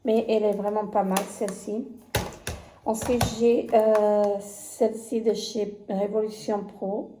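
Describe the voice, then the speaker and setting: A woman casually reviewing her makeup palettes, talking haltingly with many fillers and restarts. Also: mid-range voice, level tone, roomy sound, noisy background. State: has conjunctivitis. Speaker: beauty vlogger.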